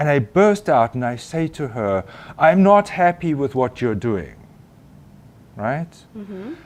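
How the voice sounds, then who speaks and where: Pitched fairly high, a man's voice shows very wide pitch swings. He goes at a fairly slow pace with long, frequent pauses. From South Africa. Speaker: executive coach, former physician. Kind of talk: interview answer.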